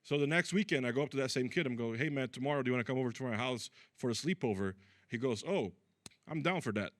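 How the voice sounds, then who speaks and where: A man's voice: mid-range voice, fast, no echo. Brazilian-born man doing dry stand-up. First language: Portuguese. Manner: deadpan, crude punchlines with frequent fillers. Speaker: stand-up comedian. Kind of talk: stand-up comedy set. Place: comedy club stage.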